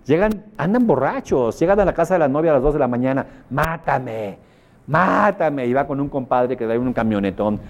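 A man's voice: medium pitch, fast, hardly any pauses, dull audio. A man with a Mexican accent gives a motivational talk, telling anecdotes and asking the audience questions. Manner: animated storyteller, asks the audience questions. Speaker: motivational speaker.

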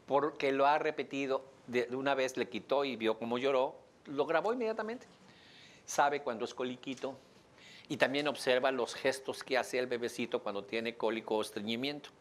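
A man with a Mexican accent giving a lively lecture to a live audience, joking and asking them questions. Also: mid-range voice, normal speed. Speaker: speaker teaching an audience.

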